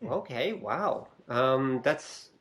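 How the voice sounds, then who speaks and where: A man hosting a podcast, who introduces his guest and asks questions in a relaxed, friendly way. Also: medium pitch, drawn-out words. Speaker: podcast host. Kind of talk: casual podcast interview.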